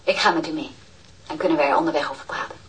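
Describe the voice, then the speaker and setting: An actress playing a calm, kindly policewoman in her twenties, questioning patiently in a crime radio drama. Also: low voice, very fast, natural voice, poor audio. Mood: composed. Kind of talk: audio crime drama acting.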